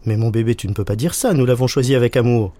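A man's voice: mid-range voice, fast talker, dark tone, natural voice. A man voicing a fussy, doting mother who coos over her son. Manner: cooing and pampering.

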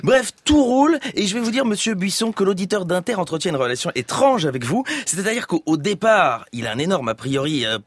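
Fast, lively mock-solemn radio humorist. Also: male voice, sits high, dry recording. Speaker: radio columnist. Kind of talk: satirical comic column.

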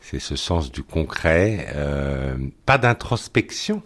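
A man's voice: very deep voice, big pitch swings, slow, a bit bright. A male journalist speaking as a guest in a radio debate, hesitant and full of fillers.

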